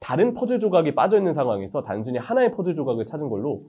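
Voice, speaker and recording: A man's voice: a little high, breathy edge, phone-quality sound. A man working as a football commentator, giving interview answers in an analytical style and asking rhetorical questions. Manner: fast, animated analytical delivery with rhetorical questions.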